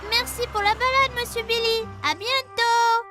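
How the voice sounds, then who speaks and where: A woman's voice: very high-pitched, steady tone, unhurried. A woman voicing an eager, sweet four-year-old boy in a cartoon dub, exclamatory and childlike. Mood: delighted. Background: background music.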